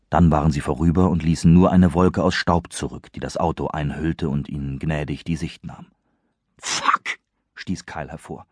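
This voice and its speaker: A man narrates a thriller audiobook in a low, husky voice. His reading is measured and suspenseful. The sound is dry and close. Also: a little mellow, no room sound. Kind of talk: scripted narration.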